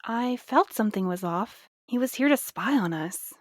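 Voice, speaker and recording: A woman's voice: medium pitch, lively intonation, no room sound, studio quality, close to an everyday voice. A woman playing a tired mail courier in an audio drama, polite and tactful but firm. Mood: uneasy, tired. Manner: tactful, measured. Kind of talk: scripted audio drama dialogue.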